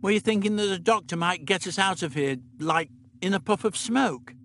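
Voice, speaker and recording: A man's voice: sits high, normal speed, a bit bright, a little hiss or hum, voice pushed up. A man voicing a fretful young woman with a cold, speaking in a sniffling, plaintive way.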